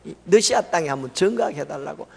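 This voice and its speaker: A middle-aged male revival preacher, his fairly high voice leaping up and down in pitch. He tells the story with laughter, jumping from loud cries to near-hushed asides. His voice carries a long reverb from a church sanctuary. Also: fast talker, creaky, slightly rough. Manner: animated, laughing, swings from loud exclamations to hushed tones.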